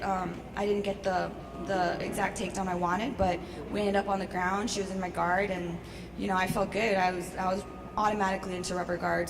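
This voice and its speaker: A young woman with a worn-out, hoarse voice talks through her fight in an easygoing, upbeat way. She sounds mid-pitched. The recording carries noticeable background noise and a long reverb tail. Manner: casual, upbeat, laughs often. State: losing her voice. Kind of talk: post-fight press interview. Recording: noisy long-reverb hall.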